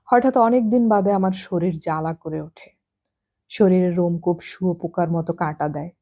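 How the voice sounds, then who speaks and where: A woman narrating a literary novel as an audiobook. Her voice sits low and mellow, and she reads in a measured, reflective way.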